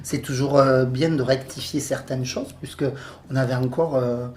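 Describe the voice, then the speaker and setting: A man co-hosting a podcast in casual chat, jokey and quick to laugh at himself. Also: medium pitch, steady tone, slight background noise. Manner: jokey, laughs easily, self-mocking. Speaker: podcast co-host.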